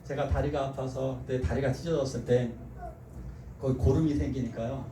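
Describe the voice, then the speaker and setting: A man's voice: medium pitch, fairly even intonation, normal speed, mellow. A man preaching a sermon as pastor, acting out quoted speech and laughing often. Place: church sanctuary. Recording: echoey church hall from far off, faint noise.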